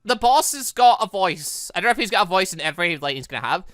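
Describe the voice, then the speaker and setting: A man's voice: sits high, very animated, fast, a bit bright, dry recording, clean studio sound. A man giving casual, rambling, exclamatory let's play commentary as a gaming host.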